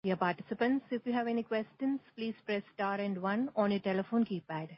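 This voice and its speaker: A woman's voice: medium pitch, fairly quick. Polite female call moderator, muffled line. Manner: polite, formulaic. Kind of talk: scripted operator announcements. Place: conference call. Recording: muffled conference phone line.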